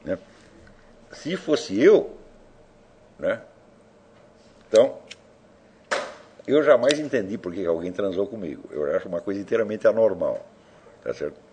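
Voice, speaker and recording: A man's voice: sits low, expressive, moderate pace, pauses often, a little mellow, slight background noise. A man giving an informal lecture, provoking his listeners with rhetorical questions and casual swearing.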